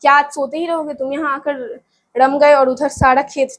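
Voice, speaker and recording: A woman's voice: high-pitched, little pitch movement, moderate pace, a little hiss or hum, natural voice. A woman doing a scolding village wife. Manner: scolding, raised voice. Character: sharp-tongued village farmer's wife.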